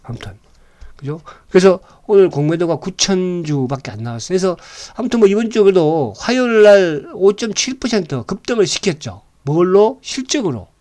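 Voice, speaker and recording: Lively high-voiced man calling the market. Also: normal speed. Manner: rhetorical, keeps asking for agreement, blunt slang. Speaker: stock market commentator. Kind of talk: casual market commentary.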